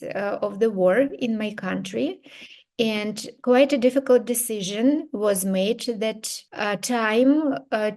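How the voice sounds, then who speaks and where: A woman from Ukraine with a Ukrainian accent, a podcast guest who answers slowly and thoughtfully, with many hesitations. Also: a little high, a little mellow. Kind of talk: interview answers.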